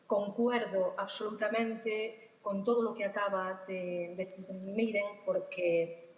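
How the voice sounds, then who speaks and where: A woman with a mid-pitched voice speaks earnestly, tagging her points with quick questions and speeding up in bursts. The sound is roomy, with a long hall reverb. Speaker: poet on a panel. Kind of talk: panel discussion.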